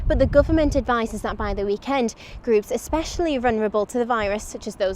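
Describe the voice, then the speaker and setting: Over noticeable background noise, a woman speaks at a very fast pace with very wide pitch swings. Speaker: local TV reporter. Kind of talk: TV news voice-over.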